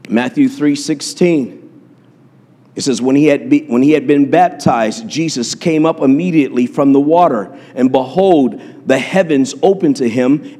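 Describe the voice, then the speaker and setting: A man delivers a sermon in a church, pressing his points again and again with fillers and restarts. His voice sits fairly high for a man. The church hall rings with a long reverb around him. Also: a little mellow. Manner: impassioned, repetitive preaching with frequent fillers. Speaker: pastor.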